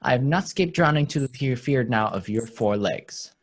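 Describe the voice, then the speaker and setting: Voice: medium pitch, lively intonation, moderate pace. A performer playing a bawdy, swaggering shipwrecked sailor in a Shakespeare radio play. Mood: blustering.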